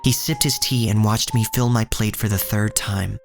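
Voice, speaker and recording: A man's voice: on the low side, steady tone, moderate pace, gravelly. A man playing a wary young street thief who tells his own story as scripted audio drama narration. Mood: descriptive. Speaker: narrator and lead actor. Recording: music bed under the voice.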